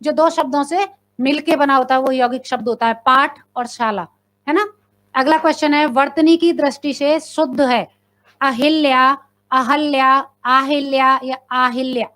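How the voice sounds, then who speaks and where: A woman's voice: high-pitched, fairly even intonation, measured pace, a bit bright. A woman teacher leading a live exam-prep class, reading out questions and options, quizzing her viewers and confirming their answers. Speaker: Hindi teacher.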